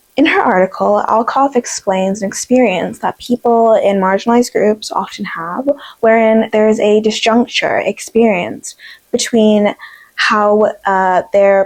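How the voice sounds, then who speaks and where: Ordinary pitch variation and a moderate pace from a woman with a fairly high pitch. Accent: American. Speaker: student assistant explaining philosophy. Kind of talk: scripted explainer. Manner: casual, conversational.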